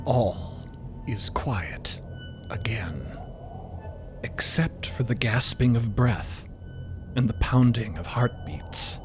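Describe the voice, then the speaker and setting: A man giving suspenseful, deliberate scripted narration for a fantasy audio drama. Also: medium pitch, huge pitch swings, music in the background.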